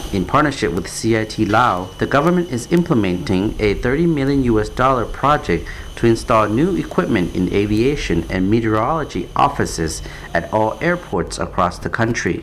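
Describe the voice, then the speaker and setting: Over noticeable background noise, a man with a medium pitch talks at a moderate pace, his pitch swinging very widely. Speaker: news presenter. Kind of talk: TV news report.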